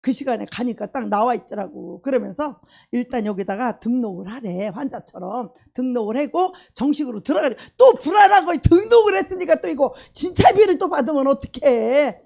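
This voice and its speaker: A woman's voice: a little high, animated, brisk, vocal fry. A woman pastor giving a testimony sermon, acting out her own past prayers and doubts and breaking into bursts of emphatic praise. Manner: shouts out praise in rising bursts.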